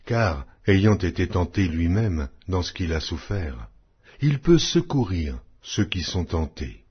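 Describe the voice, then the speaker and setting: A man with a lowish, rough-edged voice narrates scripture from a script. His delivery is solemn and declamatory, with intonation that rises and falls widely. The recording is somewhat muffled and lo-fi. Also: sing-song, slow. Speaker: audiobook narrator reading scripture. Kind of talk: scripted Bible reading. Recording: dull lo-fi audio.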